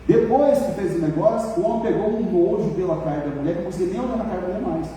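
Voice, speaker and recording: A man preaching a sermon as pastor in a church, telling stories in a colloquial, animated way and calling on the congregation for responses. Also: sits high, fast. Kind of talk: sermon with storytelling. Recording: echoey church hall, mic far off, faint noise.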